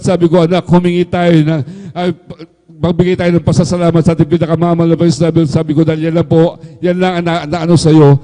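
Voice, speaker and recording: A man's voice: on the high side, dark tone, big-room sound. A middle-aged man giving a fervent testimony at an overnight prayer service, often addressing the congregation. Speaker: church member giving testimony.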